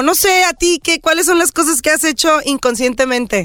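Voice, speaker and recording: Music plays behind a woman whose tone is animated and whose intonation is lively. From Mexico, Sinaloa. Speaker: podcast co-host. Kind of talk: casual chat.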